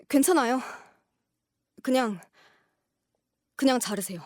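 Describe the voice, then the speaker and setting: A woman's voice: sits high, dry recording, studio quality. A woman voice actor playing an earnest, worried but resolute teenage daughter in an audio drama. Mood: quietly resolute.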